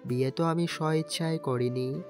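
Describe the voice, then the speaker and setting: A man's voice: a little high, fairly even intonation, moderate pace, lightly acted. A man playing an anxious, ordinary college student in an audio story, earnest and pleading in his delivery. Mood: brooding. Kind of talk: Bengali audio story acting and first-person narration. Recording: music under the voice.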